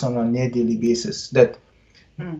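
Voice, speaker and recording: A man speaks at a moderate pace in a somewhat breathy voice with ordinary pitch variation. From Caribbean. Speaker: doctor and commentator. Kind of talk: interview.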